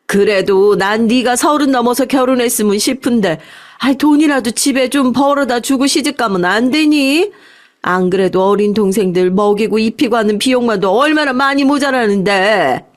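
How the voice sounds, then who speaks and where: A woman's voice: on the high side, moderate pace, pitched above the performer's own voice, close to an everyday voice. A woman voicing a careworn middle-aged mother in story dialogue, with a pleading manner. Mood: pleading, reproachful. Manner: pleading, sighing interjections.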